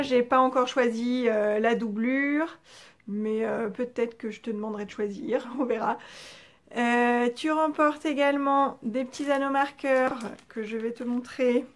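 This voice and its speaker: Give me a slightly high-pitched woman from France, hosting a casual knitting vlog with lots of hesitant fillers. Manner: chatty with many hesitations. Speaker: knitting channel host.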